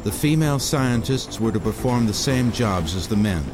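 A man's voice: fairly low pitch, expressive, moderate pace. A man with an American accent reading scripted documentary narration as the narrator. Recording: music bed under narration.

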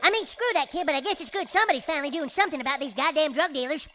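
Lady playing a sweet chirpy cartoon boy, really high, quick. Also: bright, forceful tone, a little hiss or hum. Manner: chirpy, rambling. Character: sweet cheerful little boy.

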